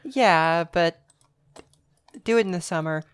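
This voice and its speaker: A woman with a lowish voice chats casually as a podcast co-host. Her tone is smooth and clear, and she talks in a wry, rambling way, restarting her sentences as she goes. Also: slow pace. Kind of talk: casual chat.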